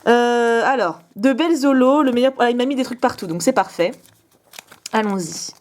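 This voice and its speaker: Gushing young woman with a higher voice. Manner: gushing, exclamatory, quick asides. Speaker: vlogger opening fan mail. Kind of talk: casual unboxing chat.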